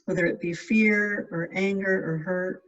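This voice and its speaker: A meditation guide giving gentle, measured instructions in spaced-out phrases. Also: medium pitch, fairly even intonation. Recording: distant mic, dull lo-fi sound.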